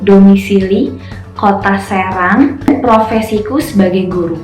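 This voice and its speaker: A young woman in her twenties gives an earnest interview testimonial about motherhood and her work. Her voice carries a roomy echo, and soft music plays underneath. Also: medium pitch, a little slow. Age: 20s. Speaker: teacher and mother.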